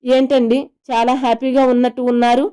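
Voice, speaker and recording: A woman's voice: sits high, level tone, a little fast, warm tone, smooth, lightly acted. A woman voicing a hurt but fiery young wife in a romantic audio story, speaking with spirit. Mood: heartfelt. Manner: spirited, indignant tone.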